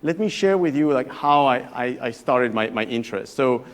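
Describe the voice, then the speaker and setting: His medium-pitched voice has lively intonation and a moderate pace. The man, a French guest lecturer and professor in his thirties with a French accent, addresses a live evening audience in a chatty, hesitant manner and frequently restarts his phrases.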